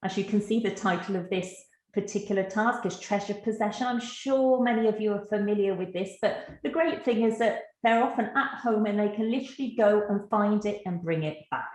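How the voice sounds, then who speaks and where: A woman with a gentle West Country accent leads a teacher-training webinar over a video call. She talks in a chatty, easy way and laughs often. Her voice sounds echoey, as if she is in a bare room. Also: medium pitch, brisk. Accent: slight West Country English. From England, Gloucestershire. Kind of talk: online teacher-training talk. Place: online video session.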